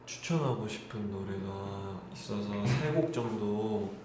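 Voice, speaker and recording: A man's voice: lowish voice, slow pace. A young man in his twenties chatting casually and laughing with fans on a live stream. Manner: chatty, laughing, polite speech. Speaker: idol hosting a live stream. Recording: very echoey room with clear background noise.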